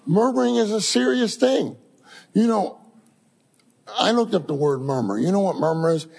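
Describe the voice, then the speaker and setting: A man preaching a sermon to his congregation, telling scripture stories in an animated way. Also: high-pitched, normal speed, gravelly, breathy edge, big-room sound. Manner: animated storytelling, addresses congregation as saints.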